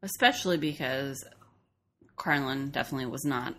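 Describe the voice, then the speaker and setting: A woman co-hosting a podcast in casual chat, chiming in with quick, teasing corrections. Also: rumbling low, fairly bright tone. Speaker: podcast co-host.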